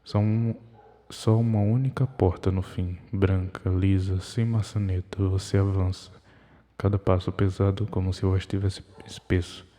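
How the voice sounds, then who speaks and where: A man reading a scripted horror story in the second person, measured and ominous, in short broken phrases. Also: sits low, little pitch movement, dark tone. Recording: long hall reverb.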